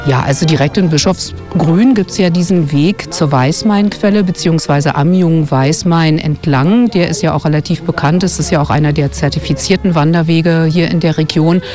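A woman's voice: low voice, normal speed, hardly any pauses, dark tone, faint music behind. A woman from West Berlin, a radio journalist and travel guide author, explaining fluently and thoughtfully in a radio interview on a forest walk. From West Berlin, Germany. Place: outdoors on a winter forest walk.

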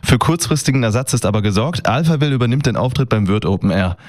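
A man's voice: medium pitch, animated, fast talker, darkish tone. Male radio reporter. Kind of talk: news report.

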